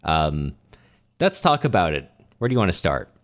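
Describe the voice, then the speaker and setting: A man's voice: low-pitched, big pitch swings, normal speed. A man hosting a podcast, talking through literature in a casual, conversational way. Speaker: podcast host.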